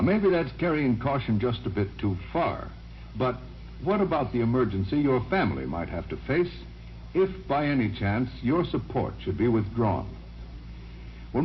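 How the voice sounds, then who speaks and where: A man reading a radio sponsor message in a friendly, persuasive pitch-man manner, heard from an old broadcast transcription disc. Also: muffled recording, a little hiss or hum. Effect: old broadcast transcription disc sound. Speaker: sponsor announcer. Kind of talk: scripted radio commercial reading.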